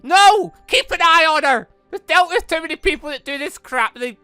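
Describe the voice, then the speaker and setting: A man giving casual, animated commentary while reading through a visual novel game, reacting aloud as he goes. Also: very high-pitched, normal speed, no room sound, soft background music. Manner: animated, reacts aloud between read lines. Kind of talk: let's play read-aloud with casual commentary.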